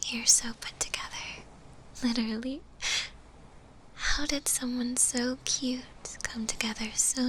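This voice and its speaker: A woman playing a shy, gentle, lovestruck zombie girl in an intimate ASMR roleplay, speaking hesitantly and tenderly. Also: fairly high pitch, a little hiss or hum, poor audio.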